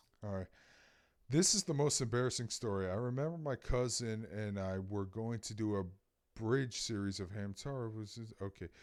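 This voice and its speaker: Animated in tone, a man speaks at a moderate pace with ordinary pitch variation in a very clean recording with a silent background. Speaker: anime podcast co-host. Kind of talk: casual chat.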